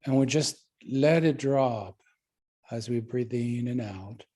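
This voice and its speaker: Slow, mellow man guiding meditation. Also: mid-range voice. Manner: calm, gentle, unhurried pauses. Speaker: meditation teacher. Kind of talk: guided meditation instruction.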